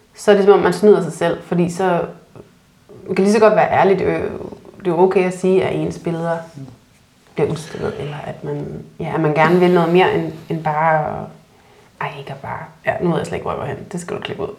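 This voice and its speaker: A woman with a fairly low pitch and fairly even intonation, at a fairly quick pace broken by long, frequent pauses, with audible room echo and noticeable background noise. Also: big swings in loudness. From Denmark, north Zealand (Frederiksværk area). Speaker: art photographer. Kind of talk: interview. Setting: studio.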